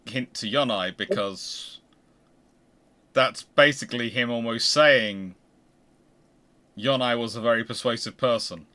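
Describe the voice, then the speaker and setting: Bright-voiced man hosting a history discussion. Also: medium pitch, unhurried, pauses often. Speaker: host of a history discussion show.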